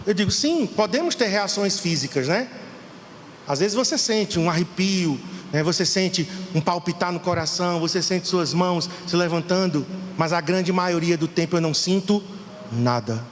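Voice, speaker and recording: A man's voice: high voice, normal speed, a little hiss or hum. Middle-aged male pastor, fervent sermon delivery, reverberant hall sound. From Brazil. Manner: fervent, preaching to the congregation. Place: church hall.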